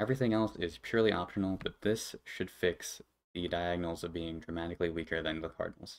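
On a very clean recording with a silent background, a man speaks quietly at a moderate pace with ordinary pitch variation. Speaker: speedrunner. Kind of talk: video game tutorial narration. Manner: quiet, subdued.

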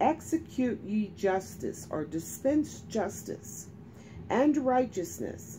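Over light background noise, a woman speaks very slowly in a somewhat breathy voice that swings very widely in pitch. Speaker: bible reader. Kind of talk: scripture reading with commentary. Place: home room. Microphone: phone near.

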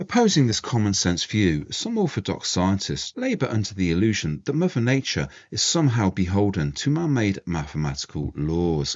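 At a moderate pace, a man with a fairly low voice speaks with hardly any pauses. His pitch swings very widely. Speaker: narrator. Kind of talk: scripted narration. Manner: formal; wry, dramatic.

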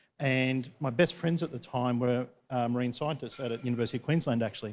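The speaker has an Australian accent and a fairly quick pace. Intonation stays fairly even. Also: man. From rural Australia. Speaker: engineering professor. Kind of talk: panel talk. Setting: gallery with audience. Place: hall. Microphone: handheld.

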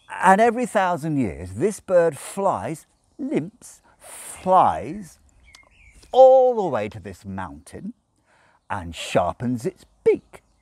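A man does a put-on character voice at a slow pace, pitched fairly high with very wide pitch swings and a slightly mellow tone.

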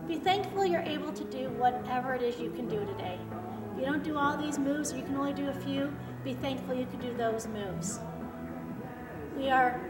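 Loud music plays in the background as a woman speaks at a moderate pace. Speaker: fitness instructor. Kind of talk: workout instruction with faith talk. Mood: warm, encouraging. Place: open country.

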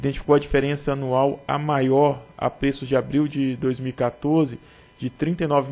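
Fairly high for a man yet dark and mellow in tone, his voice carries a Brazilian accent and a monotone, flat intonation. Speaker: regulatory agency director. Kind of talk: formal report reading. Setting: public board meeting.

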